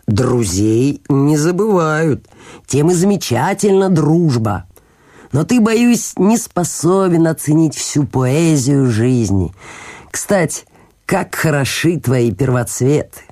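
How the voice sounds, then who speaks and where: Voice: medium pitch, animated, slow, dark tone, voice pushed up. A reader voicing a pompous, preachy old miller. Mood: smug. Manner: preachy, lofty moralizing. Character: pompous self-satisfied old male miller. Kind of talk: audiobook character reading.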